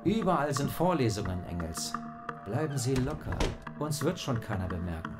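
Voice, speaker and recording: An actor playing a cocky, self-assured agent on a covert job in an audio drama. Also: male voice, medium pitch, very animated, normal speed, music in the background, close to an everyday voice. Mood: cocky, hushed.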